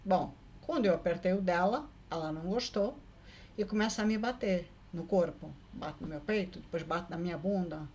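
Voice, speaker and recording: A woman vlogger telling a personal story in a casual, lively way, often adding quick tag questions. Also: on the low side. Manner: lively, acts out the people in her story.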